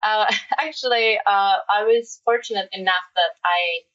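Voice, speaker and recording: A young woman from the Czech Republic speaks English with a Czech accent, loose and chatty, full of little fillers and laughs. She sits a little away from her microphone, so her voice comes through distant, and the sound is dull and lo-fi. Her pitch sits in an ordinary middle range. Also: a little slow, a bit bright. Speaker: guest, matte painter. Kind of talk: casual podcast interview.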